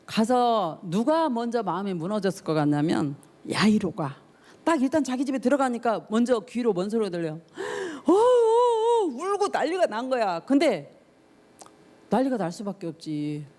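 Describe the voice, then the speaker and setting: Animated and a little mellow, her medium-pitched voice runs at normal speed. A youth pastor, she preaches to teens, telling the story with feeling, acting out the characters' voices, and putting questions straight to them.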